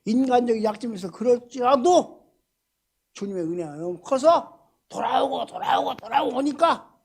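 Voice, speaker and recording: An older pastor preaches in a husky voice whose pitch leaps up and down with feeling. He moves between loud, emphatic exclamations and quiet asides. He keeps pressing the congregation with rhetorical questions. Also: lively intonation, normal speed. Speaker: senior pastor. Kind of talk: sermon. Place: church during a Friday service.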